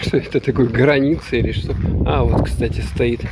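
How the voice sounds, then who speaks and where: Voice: medium pitch, steady tone, normal speed. A vlogger rambling casually and musing aloud in short remarks while walking outdoors by the water. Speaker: vlogger filming a walk. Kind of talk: casual unscripted walking commentary. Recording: noisy outdoor recording, wind and ambience.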